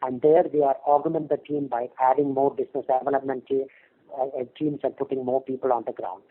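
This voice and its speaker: On an earnings call, a male company executive answers investors' questions, hesitating and repeating words as he explains. His mid-range voice barely changes pitch and moves fairly quickly, carried over a narrow, tinny conference phone line.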